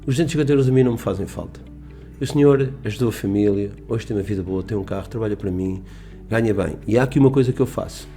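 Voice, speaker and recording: Fast-talking businessman, low mellow voice. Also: soft background music. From Portugal. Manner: rambling, emphatic, with restarts and quoted dialogue. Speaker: business owner guest. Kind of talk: radio interview, storytelling. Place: radio studio.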